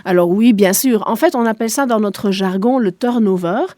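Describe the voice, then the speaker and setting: A woman's voice: medium pitch, moderate pace, warm tone, no room sound. A woman in her forties, a native German speaker from eastern Belgium, answering radio interview questions in a composed, businesslike way. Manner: composed, businesslike, explains with figures. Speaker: guest, shopping centre director.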